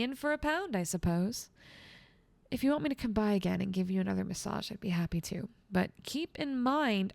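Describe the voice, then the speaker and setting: A woman playing a gentle, motherly guardian angel in a soothing, patient ASMR roleplay, speaking softly and coaxingly. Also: mid-range voice, vocal fry, no echo. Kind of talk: soft-spoken ASMR roleplay.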